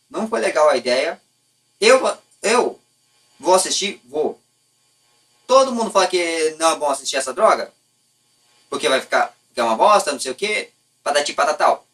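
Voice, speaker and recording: A man's voice: on the high side, a bit bright, far from the mic. A man with a Brazilian Portuguese accent giving casual, unscripted opinions in a blunt, colloquial way, often stopping to rephrase himself. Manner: blunt, colloquial, lightly profane. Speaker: YouTube host.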